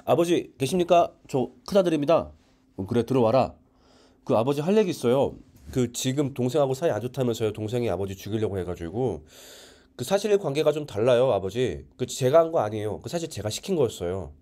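A man's voice: medium pitch, sing-song, a little fast, mellow, natural voice. A man voicing a young older brother who speaks earnestly and coaxingly to his sibling. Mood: confessing.

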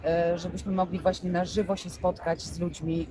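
A woman's voice: lowish voice, level tone, moderate pace, crowd noise. A woman, a stage actress, talking casually and chattily in an interview, with frequent filler phrases. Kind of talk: casual spontaneous interview talk. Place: outdoors in a town street. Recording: noisy outdoor recording with street ambience.

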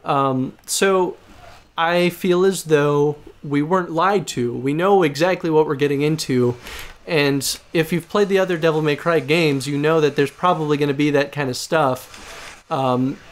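A man's voice: fairly high pitch, unhurried. A man co-hosting casual, analytical game commentary, thinking aloud in a conversational, hedging way. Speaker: video game show co-host.

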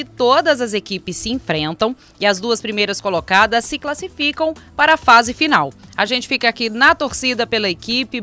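A young woman presents a city news bulletin from a small radio studio, reading from paper into a desk studio mic and adding chatty asides. Her voice is medium-pitched, pushed and bright.

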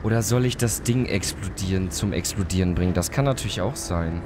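A man's voice: deep voice, fairly quick, music in the background. A man with a cold, chatting casually while playing a game and talking to the characters on screen. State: has a cold, coughing. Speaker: let's play host. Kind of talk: casual gameplay commentary.

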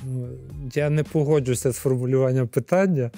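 A man's voice: medium pitch, fairly quick, soft background music. A man in his forties, a priest from Ukraine, answering interview questions thoughtfully with hesitant fillers and recorded on a lapel mic. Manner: thoughtful, hesitant fillers, lively when acting out scenes. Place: library studio, then outdoor courtyard.

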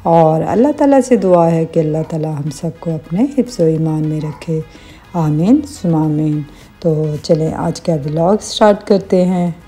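A middle-aged woman narrating her family travel vlog as a calm voice-over, with religious greetings and small hesitations. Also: sits low, unhurried, soft background music. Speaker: vlogger.

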